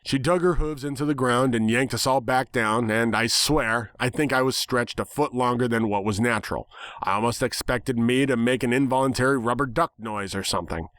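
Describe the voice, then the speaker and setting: Male narrator for dramatic fiction reading, medium pitch, dry recording. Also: a little fast, a bit bright, dry recording. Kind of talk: dramatic scripted story narration.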